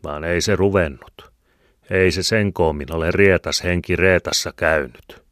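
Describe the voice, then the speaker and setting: A man reads a novel aloud in a calm, measured narration. His voice is notably low, and the sound is close and dry with no room at all. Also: no room sound. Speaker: audiobook narrator. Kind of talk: scripted narration.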